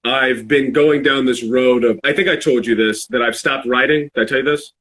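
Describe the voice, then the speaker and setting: Guy on a podcast, medium pitch, kinda halting and thoughtful, casual chat. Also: fairly bright tone. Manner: halting, searching for words, self-reflective. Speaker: podcast speaker.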